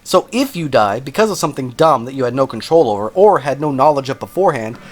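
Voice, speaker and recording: Animated man reviewing a video game. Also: medium pitch, quick pace, slight background noise. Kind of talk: casual scripted review narration.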